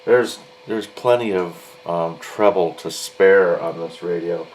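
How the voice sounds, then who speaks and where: A man giving a casual, unscripted product review as a hobbyist, halting and mildly grumbling, pausing mid-sentence. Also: low voice, a little mellow, poor audio. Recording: faint background room noise.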